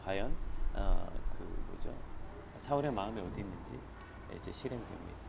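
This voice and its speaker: A man's voice: low voice, lively intonation, moderate pace, gravelly, noisy background. A man leading a live morning Bible study, reading scripture aloud and explaining it in a conversational teaching manner, often using filler words.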